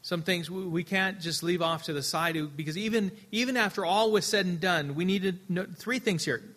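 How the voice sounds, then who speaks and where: A man preaching a sermon earnestly, his voice swelling louder and then dropping soft, often repeating words as he restarts. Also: high voice, brisk. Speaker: pastor.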